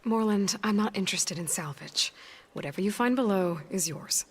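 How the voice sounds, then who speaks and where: A woman's voice: mid-range voice, lively intonation, fairly quick, husky. A young woman acting as a curious, dryly confident tribal adventurer in a video game, with a practical, understated delivery. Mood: determined.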